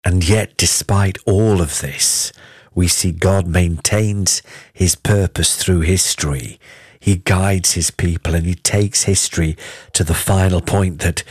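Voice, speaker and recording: Slow, deep-voiced male Bible teacher. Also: fairly even intonation, slightly rough, no room sound, clean studio sound. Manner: measured, earnest teaching. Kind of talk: reading scripture and explaining it.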